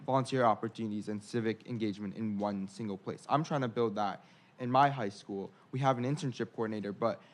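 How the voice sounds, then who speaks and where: A man's voice: lowish voice, quick pace. A man speaking on a panel in a casual way, with fillers like "like" and "you know". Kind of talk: panel discussion remarks.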